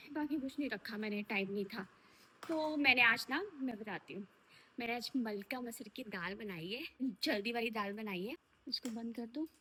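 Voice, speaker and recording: Bright-voiced chatty young woman vlogging. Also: fairly high pitch, husky. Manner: chatty, talks to viewers as "lovelies". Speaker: vlogger and actor. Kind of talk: casual vlog chat to camera. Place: home, then a film set dressing room.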